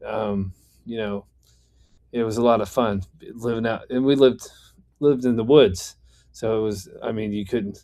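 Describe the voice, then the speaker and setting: Speaking at a moderate pace, a man keeps a medium pitch and fairly even intonation. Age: 40s. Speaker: singer. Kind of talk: casual interview. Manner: casual with many fillers.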